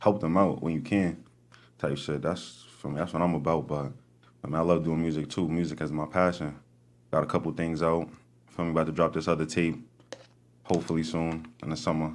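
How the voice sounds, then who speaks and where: A man with a New York accent talks at a fairly quick pace in a very deep, low voice. His intonation is fairly even, broken by long, frequent pauses. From US Northeast (Bronx, New York). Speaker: musician. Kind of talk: casual chat.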